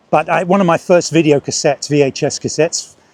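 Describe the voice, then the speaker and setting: This man speaks very fast, his intonation fairly even. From southeast London. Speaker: bird vlogger and taxi driver. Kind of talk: casual vlog. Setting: outdoors.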